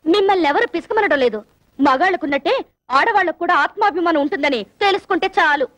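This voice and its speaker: A woman's voice: very high-pitched, lively intonation, quick pace, fairly bright tone, no echo. An actress playing a defiant wife who refuses to keep working for a husband who does not respect her. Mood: indignant. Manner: indignant, defiant. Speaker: wife and daughter. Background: film score.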